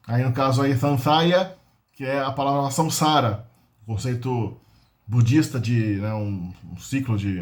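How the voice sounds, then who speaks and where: Man explaining linguistics casually. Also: mid-range voice. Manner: explains slowly with many fillers and restarts, sounds out foreign words. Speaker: linguistics channel host. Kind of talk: informal linguistics lecture.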